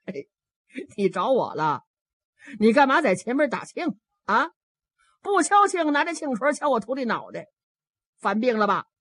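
A woman's voice: on the high side, big pitch swings, normal speed, pauses often, fairly bright tone, no echo, clean studio sound. A woman voicing a burly middle-aged male Taoist priest, stern and commanding, in a told story. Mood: gruff.

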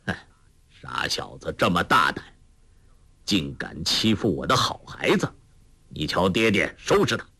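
A man's voice: on the low side, sing-song, measured pace, sharp tone, slightly rough, heavily acted. A man voicing a proud, eccentric older male martial master in a storybook, haughty and given to mocking laughter. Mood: teasing.

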